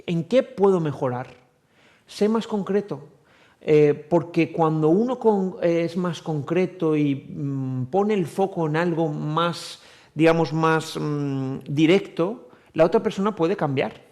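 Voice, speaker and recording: Male psychologist guest, TV interview, slightly high voice, patient explainer, leans on "eh" fillers. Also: slow. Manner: explains calmly with examples, frequent filler "eh".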